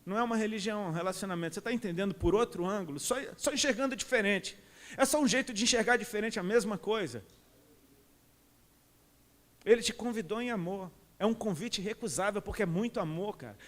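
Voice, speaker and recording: A man with a Brazilian Portuguese accent delivers a sermon in a high, bright register. He is impassioned and casual, talking to the congregation as if to friends. His voice rings out with the long reverb of a large church hall. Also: quick pace. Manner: impassioned, colloquial, calls listeners "cara". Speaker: preacher.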